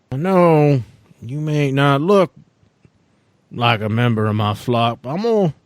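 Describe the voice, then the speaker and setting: A man's voice: a little high, no room sound. Man playing a folksy old country priest, music behind. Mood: kindly amused. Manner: folksy, courteous, chuckling rural talk.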